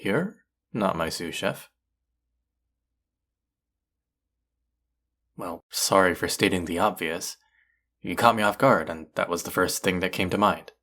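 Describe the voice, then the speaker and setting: A man's voice: low voice, moderate pace, sharp tone, full character voice. A man playing a proud, combative restaurant chef in an audio roleplay, indignant, condescending and sarcastic as he argues. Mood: curt, irritated. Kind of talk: audio roleplay acting, one-sided dialogue.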